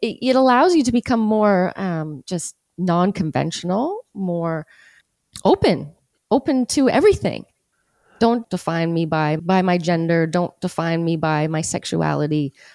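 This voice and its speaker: An ordinary speaking voice from a woman with a Canadian accent, fairly low in pitch, with lively intonation and a moderate pace, on a very clean recording with a silent background and a dry, close sound with no echo. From Hamilton, Ontario, Canada. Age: 40s. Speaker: relationship coach. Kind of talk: interview.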